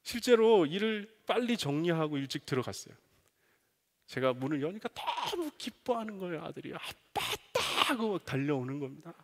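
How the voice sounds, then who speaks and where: A male pastor preaching a sermon with animated storytelling, acting out the voices of his family. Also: fairly high pitch, a little fast. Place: church sanctuary. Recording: long reverb of a church hall.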